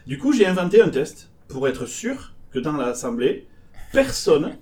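A man's voice: fairly high pitch, a little slow, far from the mic. Joking man with a northern French accent. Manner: animated joking storyteller. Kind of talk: casual chat.

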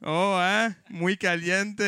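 A Quebec French man hosts a radio show, playing the jokey auctioneer with sudden loud calls and a lot of hesitation. His voice is high and very bright. It sounds dry and close. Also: fairly even intonation, very slow, clean tone, dry recording. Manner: auctioneer patter with frequent filler "euh" and swings in loudness. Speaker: radio host running a mock auction. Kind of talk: playful radio banter. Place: radio studio.

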